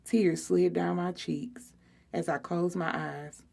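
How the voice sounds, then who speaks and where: A woman, a librarian reading aloud, giving expressive first-person storybook narration. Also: on the low side, slow, creaky.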